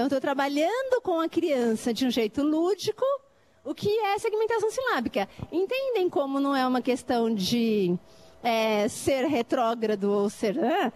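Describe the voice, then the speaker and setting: A woman's voice: high voice, darkish tone. A middle-aged woman from Brazil on a debate panel, explaining literacy activities and often checking whether listeners follow. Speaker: lecturer on literacy teaching.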